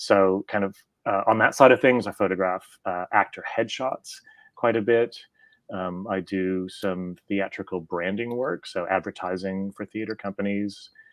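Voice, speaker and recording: A man with a plain, everyday voice speaks in an American accent at a fairly low pitch, with fairly even intonation and a moderate pace. The sound is dry and close with no echo, over a quiet background. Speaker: photographer. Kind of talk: casual chat.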